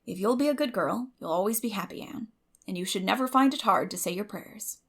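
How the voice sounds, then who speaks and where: A woman's voice: medium pitch, a little fast, fairly bright tone, breathy edge. Woman acting a stern, dry older guardian. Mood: moralizing. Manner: terse, severe, moralizing. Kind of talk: audiobook dramatic reading.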